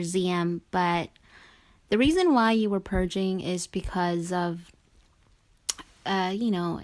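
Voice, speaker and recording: A woman hosting a conversational interview, asking probing, empathetic questions in a halting way. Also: lowish voice. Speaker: show host, interviewer.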